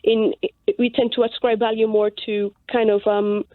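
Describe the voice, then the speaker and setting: Female radio guest, a bit high, reflective and halting, tinny line. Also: level tone, no room sound. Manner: thoughtful, searching for words, many ums. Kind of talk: radio discussion.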